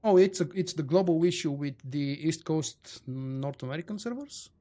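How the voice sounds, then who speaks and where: Bulgarian-accented male streamer, chatty, answers chat; voice a little high. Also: normal speed, warm tone. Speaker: game streamer. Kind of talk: casual live-stream chat.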